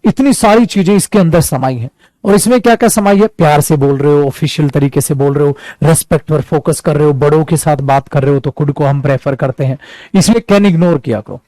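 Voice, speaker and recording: A man's voice: fairly high pitch, a little fast, dark tone, dry recording. A man teaching an online English lesson in a chatty way, calling his students "beta" and acting out examples. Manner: acts out examples.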